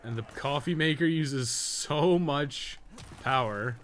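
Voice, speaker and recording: A man's voice: fairly high pitch, takes it slowly, background noise. A young man chatting casually as he streams a game, rambling and swearing, with an easy laugh. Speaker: game streamer, podcast co-host. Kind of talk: casual chat while gaming live.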